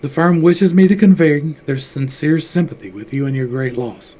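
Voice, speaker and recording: A man's voice: fairly high pitch, normal speed, mellow, lightly acted. A man reading aloud voices a stiff company messenger with a formal, apologetic delivery.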